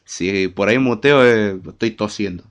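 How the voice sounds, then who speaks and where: A man's voice: on the low side, moderate pace, clean tone. A man with a Rioplatense Spanish accent and a congested, head-cold voice, hosting a casual live podcast in a jokey, informal way. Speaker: podcast host.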